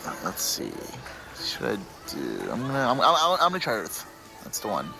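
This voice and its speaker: Brief: male actor as late-twenties gamer dude, lazy yet excitable, swinging pitch, slangy, prominent music bed. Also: normal speed, gravelly, exaggerated voice. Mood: absorbed. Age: 20s. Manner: slangy slacker delivery. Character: Roy, lazy excitable twenty-eight-year-old gamer bro. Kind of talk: naturalistic comedic audio drama.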